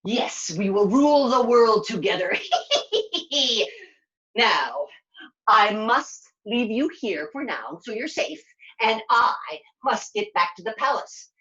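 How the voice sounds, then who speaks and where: A woman's voice: on the high side, sing-song, slow pace, fairly bright tone, highs cut off, exaggerated voice. Cackling, gloating evil puppet queen. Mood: vain, triumphant. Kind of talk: live puppet show villain.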